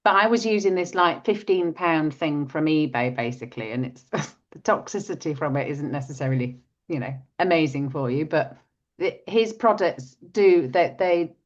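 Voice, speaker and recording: A woman's voice: low-pitched, moderate pace. A woman whose first language is not English, chatting casually as co-host, with a frog in her throat and many restarts. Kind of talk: casual chat. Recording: dull lo-fi sound.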